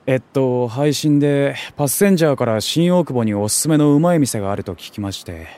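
Geeky young man played by a male actor, mid-pitched. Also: animated, a little fast, dark tone, natural voice. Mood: casual. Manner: gamer slang, casual junior-style politeness. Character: geeky, slangy young junior, eager food lover. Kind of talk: Japanese voice drama acting.

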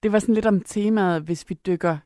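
A woman interviewer who calmly guides the conversation about a book and asks questions. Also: medium pitch, no echo, clean studio sound. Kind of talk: radio interview.

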